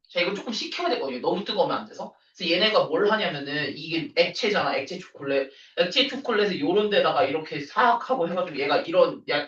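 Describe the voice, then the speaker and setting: A woman's voice: fairly low pitch, fairly bright tone. A woman teaching an English reading lesson, chatting casually with students and switching between casual and polite speech. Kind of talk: casual classroom lecture. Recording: roomy, distant, dull lo-fi sound.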